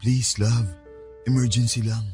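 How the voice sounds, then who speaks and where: A man's voice: medium pitch, flat delivery, a little slow, a little mellow, natural voice. A man playing a desperate gambler boyfriend in a radio drama, pleading and whining hesitantly. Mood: sheepish pleading. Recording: dramatic music bed behind the voice.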